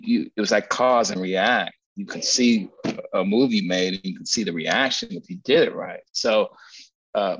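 A man being interviewed as an agency strategist, telling stories in a blunt, animated way with lots of swearing and repeated words. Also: low-pitched, slightly rough, highs cut off. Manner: animated storytelling, frequent profanity and repetitions. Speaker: guest, agency founder and strategist. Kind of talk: casual podcast interview.

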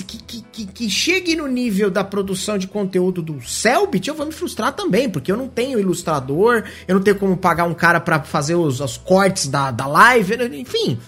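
A man with a Brazilian accent, co-hosting a podcast in an animated, joking, self-deprecating way. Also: sits high, slightly rough. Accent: Brazilian Portuguese. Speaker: podcast co-host. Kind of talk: casual chat about tabletop games.

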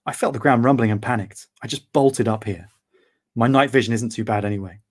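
A man's voice: medium pitch, brisk, lightly acted. Man voicing a frightened young woman. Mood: anxious.

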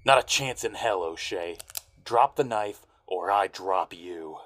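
A man playing a down-on-his-luck, stubborn private eye in a noir audio drama, gruff, intense and husky. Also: low-pitched, expressive, measured pace, fairly bright tone, exaggerated voice. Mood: angry. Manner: gruff, intense, hard-boiled.

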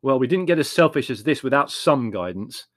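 A pompous, peevish young writer holds forth loudly about his grievances, as a male narrator acts him out. He sounds affronted and lofty, captured in a dry, close recording. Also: medium pitch, expressive, fairly quick, no room sound, close to an everyday voice. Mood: aggrieved. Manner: pompous, aggrieved, declamatory.

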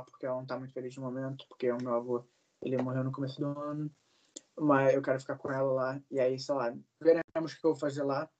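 A man's voice: medium pitch, darkish tone, muffled recording. A man in his early twenties telling stories in a casual interview, rambling with lots of fillers and swearing. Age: 20s. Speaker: guest, singer.

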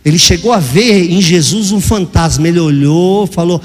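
An older man preaching a sermon as pastor, dramatic, acting out voices and sometimes shouting. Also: high-pitched, moderate pace, big-room sound.

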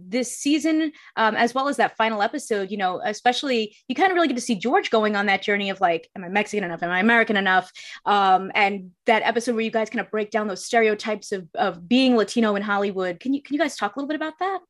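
A woman hosts an interview and speaks quickly. Her voice sits in an ordinary middle range. She frames her questions in a friendly, chatty way. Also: mid-range voice. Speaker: host.

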